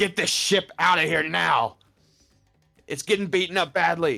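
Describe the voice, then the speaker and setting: A man shouts in a high, raspy, put-on character voice at a moderate pace. Music plays in the background. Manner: yelling, commanding.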